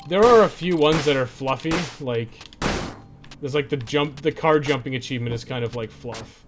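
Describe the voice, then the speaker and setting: A man's voice: mid-range voice, normal speed, background noise. A man chatting casually as he streams a game, rambling and swearing freely as he goes. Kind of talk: casual livestream chat while playing.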